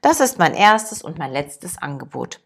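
A woman's voice: deep voice, big pitch swings, unhurried, vocal fry, fairly bright tone, slightly rough, voice pushed down, full character voice. Woman voicing a shrewd jewelry dealer, businesslike, storybook reading.

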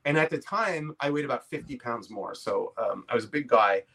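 A man's voice: mid-range voice, lively intonation, fairly quick, gravelly, bright, forceful tone, husky. A man in his forties with a Canadian accent, telling anecdotes in a casual, self-deprecating way as an interview guest. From Quebec, Canada. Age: 40s. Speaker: podcast guest, comedy actor and writer. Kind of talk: casual conversational storytelling.

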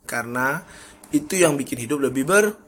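A man's voice: medium pitch, animated, moderate pace, a bit bright, breathy edge. A young man hosting his own podcast in a casual solo monologue, chatty and often correcting his own slips with a laugh. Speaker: podcast host.

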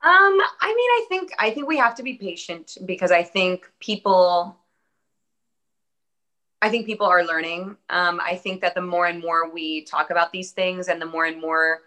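A woman in her early thirties, an actress born in Atlanta, Georgia, US, whose first language is Spanish, speaks as an interview guest. She's casual, earnest, and upbeat, with frequent "um"s and "I think"s. Her voice is fairly low and sharp-toned, at a moderate pace.

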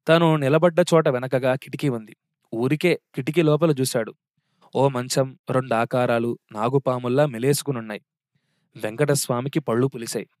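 A man narrating a story in a steady, wry reading voice. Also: medium pitch, no echo, clean studio sound.

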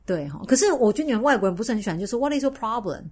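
Fast-talking husky woman host. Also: medium pitch. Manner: animated, acts out quoted lines. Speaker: podcast co-host. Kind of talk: casual chat.

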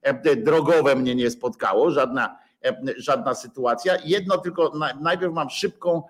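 A man's voice: medium pitch, measured pace. A man hosting a casual livestream chat, rambling and self-mocking with many filler sounds, sore and bruised. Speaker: livestream host. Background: dog present.

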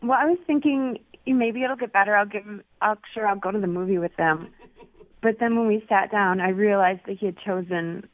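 A woman's voice: medium pitch, brisk, no room sound. A woman calling in by phone, guarded and laughing as she talks. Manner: guarded, laughs while talking. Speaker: caller. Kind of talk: phone conversation on radio. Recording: tinny phone line.

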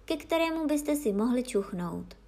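A woman voicing God as a kindly, calm male creator who speaks gently. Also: sits high.

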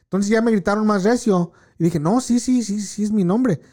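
A man talks in a high voice, in casual, profane chat. He tells a story and slips English words into his talk. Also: moderate pace, mellow.

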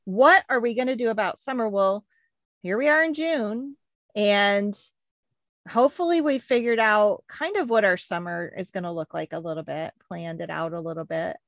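A middle-aged woman co-hosting a podcast in a chatty, expressive way, recorded inside a closet. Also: mid-range voice, moderate pace, creaky, no echo. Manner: animated, expressive. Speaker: podcast co-host. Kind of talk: casual, chatty podcast talk.

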